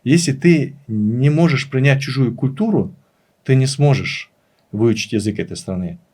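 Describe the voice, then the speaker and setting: Earnest man with a mid-pitched voice, explaining. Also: expressive, normal speed, a little mellow. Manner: earnest, emphatic repetition of phrases. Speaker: interview guest, language teacher and author. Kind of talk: conversational interview, explaining and reminiscing.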